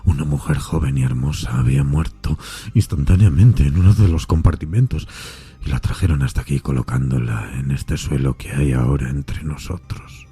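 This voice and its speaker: An actor playing a haunted, anguished railway signalman who tells his story gravely in an audio drama, with a gravelly, husky voice. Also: rumbling low, dark tone, heavily acted. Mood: agitated, distressed. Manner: grave, troubled, deliberate storytelling. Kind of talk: dramatised Spanish-language audio fiction.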